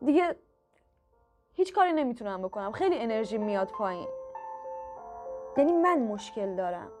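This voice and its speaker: Female instructor, high register, patient step-by-step explainer, faint music bed. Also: big pitch swings, a little mellow. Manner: patient, repeats each step with examples. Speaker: communication skills teacher. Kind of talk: instructional talk to camera.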